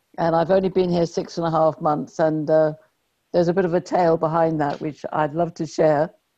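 A woman with an English accent, fairly low in pitch, dark and mellow in tone, at a fairly quick pace with monotone, flat intonation. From London, England. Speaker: business consultant; podcast guest. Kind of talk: interview. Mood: warm, smiling. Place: home room. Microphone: earbuds.

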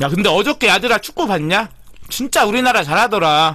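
Against a quiet background, a man speaks in a raised, projected voice with a bright, sharp tone, very wide pitch swings and a fairly quick pace. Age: 30s. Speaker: mukbang streamer. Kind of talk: casual livestream eating show. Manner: animated. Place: home room. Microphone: studio mic.

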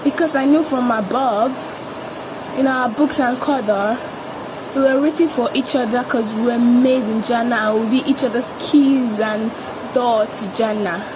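A soft-spoken woman with a high pitch talks at a moderate pace, her pitch varying in an ordinary way. Noticeable background noise sits behind her. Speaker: spoken word poet. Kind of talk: spoken word poetry, an intimate devotional letter to an imagined future husband. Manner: earnest and yearning, pleading rhetorical questions building to prayerful promises; tender and devout, softly invoking Allah in a romantic vow. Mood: emotional, tender, near tears. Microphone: phone near.

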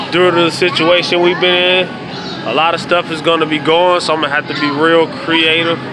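A man with an American accent talks at a fairly quick pace in a high pitch. His intonation is monotone and flat, over noticeable background noise. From Michigan, Saginaw; Michigan. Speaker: fitness vlogger. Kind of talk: casual vlog. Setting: in a car and a store. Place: shop. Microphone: phone near.

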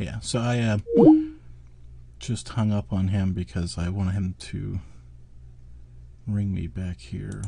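A man's very deep, low voice, somewhat breathy, with lively intonation, a fairly slow pace, long and frequent pauses, and a dry sound with no echo. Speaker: podcast host. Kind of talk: casual talk while fixing a dropped call. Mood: puzzled, mildly distracted. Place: home room.

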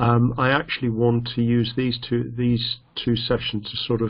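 A man talks at a moderate pace. His voice is somewhat breathy. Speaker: course teacher. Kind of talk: lecture. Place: home room. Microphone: webcam.

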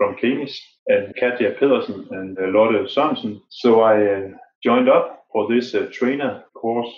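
A man with a Danish accent speaks at a fairly slow pace. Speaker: dog trainer. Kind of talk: interview. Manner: halting, with many fillers.

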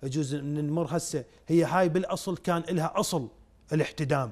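An Iraqi accent at a fairly slow pace, with fairly even intonation against a quiet background. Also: man. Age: young. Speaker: historian and author; guest. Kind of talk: interview. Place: studio. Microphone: lapel.

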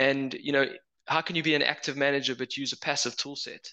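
With a South African accent, a man talks at a fairly quick pace in a bright, sharp tone. The background is quiet. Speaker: investment firm founder. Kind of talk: interview. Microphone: headset.

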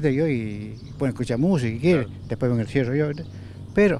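A man at a fairly quick pace with ordinary pitch variation, in a dry sound with no echo and light background noise. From Argentina, Córdoba province. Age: 60s. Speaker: local resident. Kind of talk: street interview. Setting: outdoors. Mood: animated, recounting storm damage. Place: open country. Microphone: handheld.

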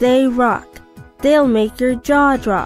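With music playing behind her, a woman speaks in a fairly even intonation. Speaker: voice actor. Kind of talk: TV commercial read.

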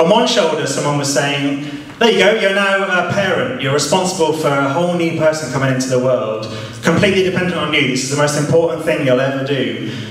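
Audible room echo surrounds a man talking at a very fast pace. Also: fairly high pitch for a man, ordinary pitch variation. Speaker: reporter trying stand-up comedy. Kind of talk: stand-up comedy set. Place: stage.

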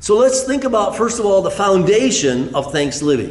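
A man's voice rises and falls over a very wide range, with audible echo from the room. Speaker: pastor. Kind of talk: sermon. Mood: warm, encouraging. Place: church. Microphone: phone near.

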